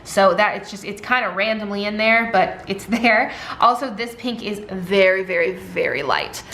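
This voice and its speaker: Woman, chatty walkthrough, slightly hoarse, mid pitch, faint background noise. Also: normal speed, fairly bright tone, rough recording. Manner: chatty, rambling, many ums and likes. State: slightly hoarse, losing her voice. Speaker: sticker shop owner and designer. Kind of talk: casual product walkthrough.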